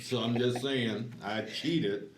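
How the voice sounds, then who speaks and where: A man's voice: mid-range voice, fairly even intonation, takes it slowly, reverberant, background noise. A man co-hosting a podcast, chatting casually with guests and teasing them playfully. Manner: playful, teasing, laughs often. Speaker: podcast co-host. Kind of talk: casual interview chat.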